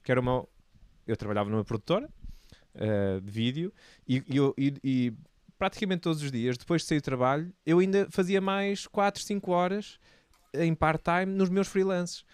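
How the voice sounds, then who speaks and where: A man with a European Portuguese accent giving a casual personal account in a halting, reflective way. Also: on the high side, clean tone, no room sound, clean studio sound. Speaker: video producer turned entrepreneur.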